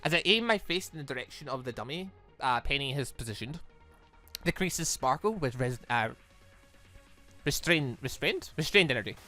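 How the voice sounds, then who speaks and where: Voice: medium pitch, expressive, normal speed, bright, forceful tone, faint music behind. A person doing a casual let's-play, reading a visual novel aloud and often stumbling and rereading phrases. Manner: stumbles over read lines and repeats them.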